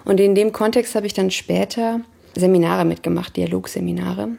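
A woman in her thirties from Germany, speaking thoughtfully in an interview, pausing and searching for words. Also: medium pitch, little pitch movement, gravelly, dark tone, husky. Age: 30s. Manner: thoughtful, searching, pauses with hesitations. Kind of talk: reflective personal interview.

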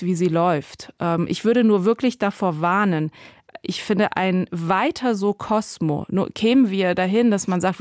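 A woman from Iran defending a broadcasting decision in a panel debate, speaking in measured, hedging sentences with many fillers. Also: mid-range voice, a little mellow, dry recording, studio quality. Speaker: broadcasting executive.

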